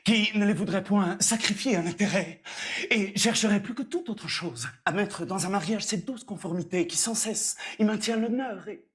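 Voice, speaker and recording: An actor playing a young steward who schemes by flattery, in persuasive, declamatory stage delivery. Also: male voice, sits high, moderate pace, natural voice. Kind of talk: classical stage comedy acting.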